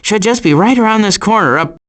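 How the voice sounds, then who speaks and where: Cautious, sarcastic cartoon turtle. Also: male voice, high voice, lively intonation, a little fast, fairly bright tone. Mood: dry, wry. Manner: dry, hesitant, wry understatement. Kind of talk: animated video game voice acting.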